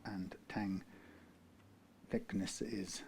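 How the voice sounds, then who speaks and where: Man from the UK, low voice, rambling workshop tutor with dry humour, faint background ambience. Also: fairly even intonation, drawn-out words, creaky, a little mellow, slight background noise. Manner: rambling, self-correcting, dry asides. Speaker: guitar repair tutor. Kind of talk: workshop how-to narration.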